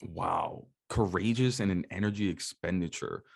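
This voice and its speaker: Upbeat low-voiced podcast host man. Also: normal speed, creaky, slightly rough. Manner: upbeat, energetic, slangy, with Spanish greetings. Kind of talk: casual podcast intro and interview.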